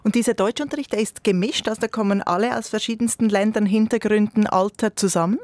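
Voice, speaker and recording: A woman's voice: mid-range voice, fast talker, a little mellow, no echo. A woman interviewer, asking probing, conversational questions. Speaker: radio interviewer.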